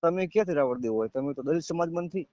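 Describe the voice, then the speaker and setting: A man's voice: on the high side, lively intonation, very fast, mellow, dry recording. A man with a Gujarati accent debating on a phone call, conceding points and putting his objections in a conciliatory way. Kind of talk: argumentative phone conversation. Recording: dull, dry lo-fi phone call.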